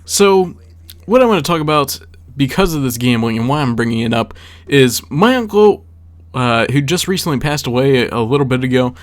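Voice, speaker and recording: A man with a mid-pitched voice records casual storytelling commentary as a gaming video creator. He talks conversationally, as if straight to his viewers, and often repeats words to stress a point. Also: expressive, brisk. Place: voice-over for a gameplay video.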